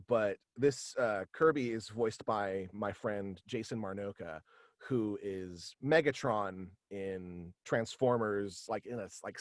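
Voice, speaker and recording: A man's voice: lowish voice, dry recording, studio quality. A young man chatting casually and in a rambling way as an interview guest, peppering his talk with "like". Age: young adult. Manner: rambling, frequent "like". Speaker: guest, voice actor and writer. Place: small room at home, on video call.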